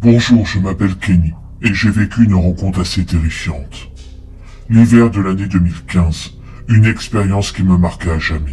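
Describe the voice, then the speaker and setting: A man's put-on character voice, very deep and low, at a moderate pace against clear background noise. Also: ordinary pitch variation. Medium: solo performance. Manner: earnest, measured.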